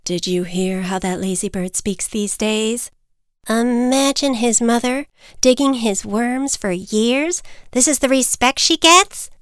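A woman's voice: on the high side, takes it slowly, clean tone, no room sound, clean studio sound. A woman voicing gossipy, judgmental birds in a children's storybook. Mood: scandalized.

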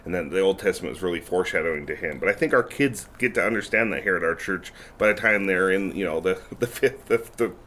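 A man's voice: sits low, quick pace, hardly any pauses, pushed and bright. Male church co-host, easygoing and affirming, faint hiss under the voice. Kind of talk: casual chat.

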